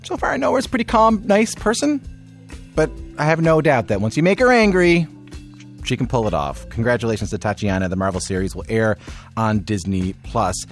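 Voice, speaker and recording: A man's voice: medium pitch, big pitch swings, brisk, faint music behind. A man hosting a radio arts show, chatty and jokey, introducing stories and interviewing guests.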